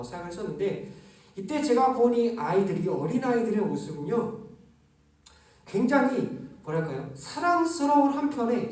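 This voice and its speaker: A man in his thirties giving a gentle, conversational sermon through a face mask, pausing often, alone in a large church office. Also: high-pitched. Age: 30s. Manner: gentle, conversational preaching with frequent pauses. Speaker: youth pastor. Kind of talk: livestreamed sermon. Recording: very echoey room, mic at a distance.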